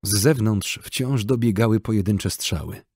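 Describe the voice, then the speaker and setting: A man reading an audiobook in steady, measured scripted narration. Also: on the low side, breathy edge, no room sound, studio quality.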